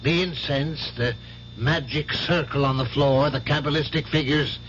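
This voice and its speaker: An actor playing a concerned, earnest Catholic priest in a measured 1970s radio drama style. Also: male voice, fairly high pitch, steady tone, a bit bright, natural voice. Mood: probing, grave. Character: concerned Catholic priest, gravely pleading with a young man. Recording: dull old radio recording, faint hum.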